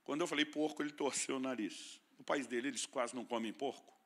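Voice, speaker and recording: A man's voice: medium pitch, fast talker. A man preaching a sermon with a Brazilian Portuguese accent, mixing teaching with humorous personal stories. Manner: storytelling preacher with playful humor. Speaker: pastor.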